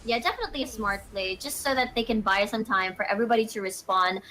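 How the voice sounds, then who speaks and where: A woman's voice: mid-range voice, fast talker, sharp tone, a little hiss or hum, rough recording. A woman giving analytical color commentary on an esports match, explaining the strategy.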